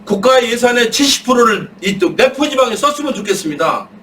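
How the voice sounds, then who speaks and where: A high-pitched middle-aged man holds forth on politics, firing off rhetorical questions and then answering them himself. His voice builds to emphatic outbursts. He is recorded from some distance, and a faint ambient hum runs underneath. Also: expressive, fairly quick. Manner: emphatic, rising to shouts when worked up. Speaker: guest speaker. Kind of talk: impassioned political talk.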